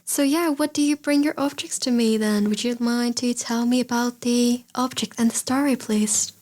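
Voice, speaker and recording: Higher-voiced woman podcast host. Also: steady tone, moderate pace, darkish tone. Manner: chatty, non-native phrasing, encouraging interjections. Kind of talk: casual interview.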